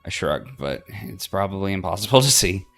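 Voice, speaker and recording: Expressive male narrator with a creaky low voice. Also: a little fast, faint music behind. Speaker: let's play host reading a visual novel aloud.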